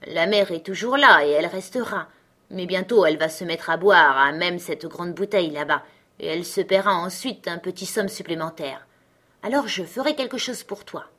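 A woman's voice: fairly low pitch, normal speed, a bit bright. A woman voicing a fierce, wild little robber girl who talks in a bossy, teasing way.

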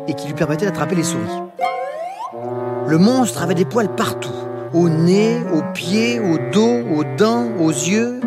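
Man reading a children's tale over music. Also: a little high. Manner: slow, expressive storytelling. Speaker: storyteller. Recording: music underneath.

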